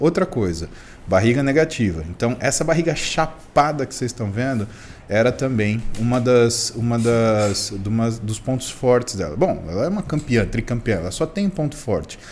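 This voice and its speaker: The speaker talks at a moderate pace with lively intonation over light background noise. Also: man. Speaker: podcast guest commenting. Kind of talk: commentary. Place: studio.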